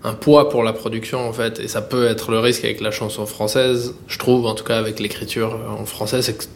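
A man who is a musician answering interview questions in French, talking in a halting way with many fillers and restarts. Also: lowish voice, little pitch movement, slight background noise. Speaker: musician guest.

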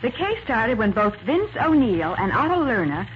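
An American actress playing a bright, sympathetic detective's secretary in a 1940s radio crime drama, expressive and chatty. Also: female voice, a little high, moderate pace. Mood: bright, confident. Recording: muffled, noisy 1940s radio recording.

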